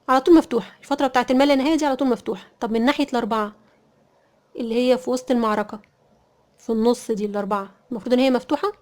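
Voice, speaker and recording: A quick-speaking woman with an Egyptian Arabic accent runs through a math lesson. Her voice sits a little high, and she keeps posing questions and answering them herself as she repeats each point. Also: a little mellow. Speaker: math teacher.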